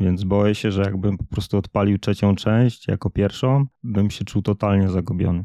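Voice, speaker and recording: Against a quiet background, a man speaks at a moderate pace with a dark, mellow tone, a fairly low pitch and fairly even intonation, in a dry, close sound with no echo. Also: hardly any pauses, very even loudness. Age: 30s. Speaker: games journalist. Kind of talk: casual chat.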